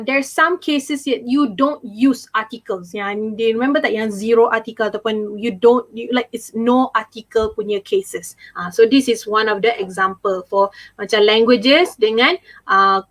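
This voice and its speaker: Bright-voiced Malaysian woman tutor. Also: a little high. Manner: switches between English and Malay, reads examples slowly and stresses them; chatty, fills with "okay" and "ah". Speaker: English tutor. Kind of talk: online class teaching.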